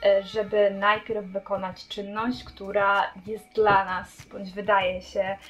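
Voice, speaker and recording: A woman's voice: mid-range voice, level tone, slow, a bit bright, poor audio. A young woman vlogging about cleaning, talking casually to the camera in a small apartment hallway, with frequent hesitations and restarts. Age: young adult.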